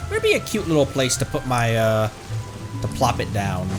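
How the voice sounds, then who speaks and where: A man's voice: mid-range voice, huge pitch swings, moderate pace, over music. A man streaming a video game with casual, chatty commentary.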